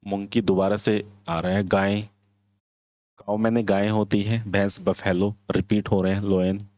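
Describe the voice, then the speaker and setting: A man with a somewhat low voice and an Indian accent explains vocabulary word by word, mixing simple English phrases into Hindi. The sound is dry and close, with no room echo. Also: level tone, a little slow, darkish tone. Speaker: English teacher. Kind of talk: classroom vocabulary lesson.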